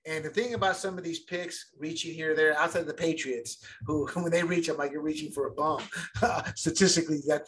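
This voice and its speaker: A man co-hosting a casual sports podcast, talking in an animated, rambling way and repeating words as he gets going. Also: on the high side, rough recording. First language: bilingual since childhood. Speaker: podcast co-host.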